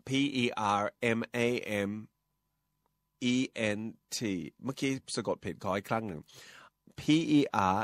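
A man's voice: lowish voice, animated, a little slow, no room sound. A man co-hosting a casual bilingual radio chat, patiently explaining words and spelling them out letter by letter. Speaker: radio co-host teaching English.

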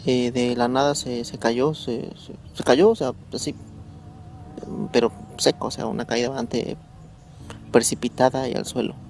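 A man telling a true story in a casual, halting way, often repeating words as he remembers. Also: mid-range voice, lively intonation, gravelly, darkish tone, a little hiss or hum. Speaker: guest storyteller.

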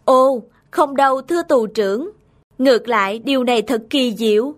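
Give me a woman playing an earnest, high-voiced tribal aide. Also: moderate pace, natural voice. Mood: serene. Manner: deferential, earnest. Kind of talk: children's folk-tale cartoon dubbing. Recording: studio voice over background music.

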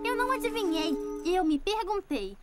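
A woman's voice: very high voice, very animated, moderate pace, over loud music. A Brazilian woman voicing an eager, theatrical, self-assured girl detective in a children's cartoon dub.

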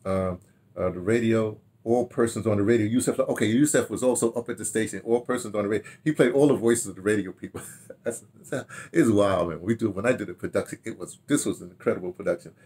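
Low-voiced older American man, rambling recollections. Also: darkish tone, slightly rough. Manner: rambling, halting delivery, repeating words, checking notes aloud. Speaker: radio drama producer recalling past productions. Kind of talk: casual reminiscing to camera. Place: small book-lined room at home, indoors.

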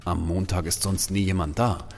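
Deep-voiced, shaken museum director in hall. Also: male voice, little pitch movement, vocal fry, noisy background. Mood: shaken, hesitant. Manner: hesitant, halting. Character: shaken, hesitant male museum director being questioned. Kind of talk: German audio drama acting. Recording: long hall reverb, faint music.

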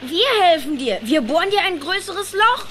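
A little woodworm brother for a children's audio drama. The voice is squeaky and sharp, sitting extremely high, with earnest, easily indignant delivery. There is faint noise behind it. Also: animated, normal speed. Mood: earnest, eager. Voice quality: small, squeaky. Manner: eager, insistent.

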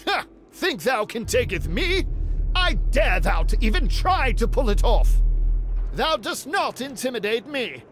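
A voice actor playing a flamboyant medieval knight in a video game, speaking in theatrical mock old English full of double meanings. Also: male voice, very animated, a little slow, a bit bright, faint music behind, heavily acted. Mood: boastful. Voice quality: high, theatrical mock-Elizabethan delivery.

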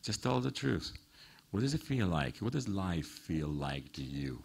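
A man's voice: deep voice, big pitch swings, measured pace, gravelly, breathy edge. A middle-aged man being interviewed on a small theater stage, speaking earnestly into a handheld microphone before a live audience. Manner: earnest, warm encouragement, laughs easily. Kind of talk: onstage conversation and audience Q&A.

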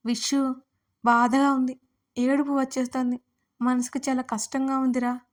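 A woman's voice: high-pitched, level tone, normal speed, close to an everyday voice. A woman voicing a young woman who shrugs off worry with playful replies in an audio story. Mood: tearful. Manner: playful, brushing things off. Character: young woman hiding sorrow behind jokes.

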